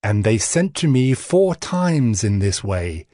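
A man playing a righteous governor narrating his deeds in a dramatized scripture reading, measured and earnest. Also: on the low side, very animated, mellow, no echo, studio quality, full character voice. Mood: earnest, resolute. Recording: music bed behind the voice.

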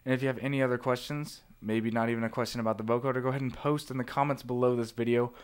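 A man narrating a software tutorial informally, explaining things step by step. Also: medium pitch, steady tone, racing, clear, resonant tone. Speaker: tutorial presenter.

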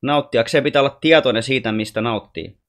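A man voicing a wise, gentle alien boy who teaches calmly and patiently. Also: medium pitch, lightly acted. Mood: gently teaching.

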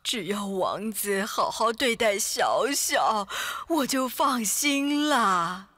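Fretful, lively old village mother. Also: fairly high pitch, takes it slowly, no echo, studio quality. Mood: tender. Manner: fretful, tender. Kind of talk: children's storybook cartoon acting.

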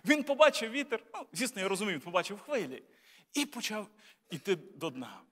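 A bishop preaching a sermon in a church, talking to the congregation in a conversational, lightly humorous way with many rhetorical questions. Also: male voice, sits high, big pitch swings, brisk, a bit bright. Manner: lightly humorous, tells jokes. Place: church sanctuary. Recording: long church reverb.

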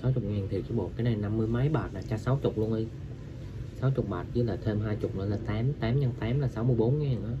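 A man's voice: on the low side, racing. A young man with a southern Vietnamese accent chats casually to viewers, chewing and eating as he talks. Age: young adult. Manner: chewing and eating while talking. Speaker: mukbang vlogger. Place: small bedroom, indoors. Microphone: camera or phone at arm's length. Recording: muffled, with clear background noise.

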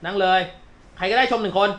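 A man working as a dog trainer, talking owners through a lesson at their home in an animated way and sometimes speaking the dog's thoughts aloud. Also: high-pitched. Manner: animated, quick explanatory chatter that voices the dog's thoughts. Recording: echoey room with faint noise.

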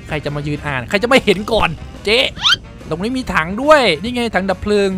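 Excitable high-voiced man gaming. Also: brisk, over music. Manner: excitable, swears casually, laughs and exclaims often. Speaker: gameplay streamer. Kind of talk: casual gameplay commentary.

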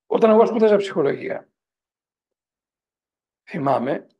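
A middle-aged priest and professor lecturing a parents' group in a digressive style, often asking the audience whether they agree. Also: male voice, sits high, slightly rough, highs cut off. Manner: animated, digressive storytelling.

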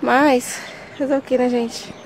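A woman's voice: high voice, level tone, slow, a little hiss or hum, low-quality recording. Chatty Brazilian woman vlogging outdoors. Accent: Brazilian Portuguese. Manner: chatty, addresses viewers often, points things out. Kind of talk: casual vlog chat to viewers. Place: outdoors in a vegetable garden on a farm.

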